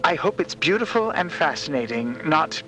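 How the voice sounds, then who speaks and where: High-pitched, flustered, stammering explorer. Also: male voice, moderate pace, soft background music, rough recording. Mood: awed, hesitant. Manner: stammering, rambling, excitable. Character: flustered, eager, deferential male space explorer. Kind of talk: fiction podcast character acting.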